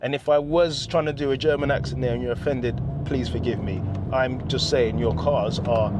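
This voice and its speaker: A middle-aged man reviewing a car as he drives, chatty and enthusiastic, with a joking, self-mocking manner. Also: mid-range voice. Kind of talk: casual driving review. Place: inside a car while driving in the wet. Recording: road and rain noise from the car.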